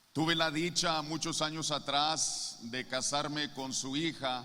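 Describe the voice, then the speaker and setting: Very slow speech with ordinary pitch variation and audible room echo. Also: man. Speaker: preacher. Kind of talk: sermon.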